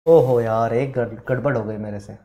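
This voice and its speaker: A man teaching chemistry in a live online lecture, animated, quizzing his students and mixing in English terms. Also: mid-range voice, moderate pace, reverberant. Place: studio classroom.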